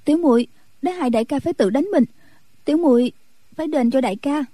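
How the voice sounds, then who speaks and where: A woman voicing a timid, tender young nun in a storybook reading, in a soft, anxious, pleading way. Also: sits high, brisk, dry recording, pitched above the performer's own voice, close to an everyday voice.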